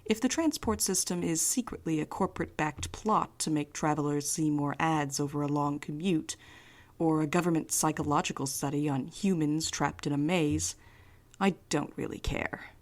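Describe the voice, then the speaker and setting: A woman playing a wry, defiant night courier in an audio drama, with a dry, deadpan manner. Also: deep voice, normal speed, natural voice. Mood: measured, uneasy. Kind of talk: audio drama acting and narration.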